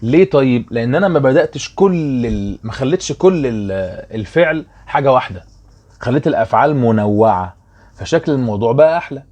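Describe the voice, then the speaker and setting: A man's voice: medium pitch, animated, a little fast, darkish tone. A young man with an Egyptian Arabic accent, explaining a worksheet as a German teacher in a chatty way and often checking that students follow.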